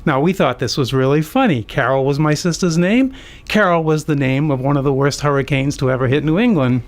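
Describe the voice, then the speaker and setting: A man's voice: on the high side, fairly quick. An American man in his sixties telling an unscripted personal story on the radio in a conversational, amused way. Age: 60s. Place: community radio studio.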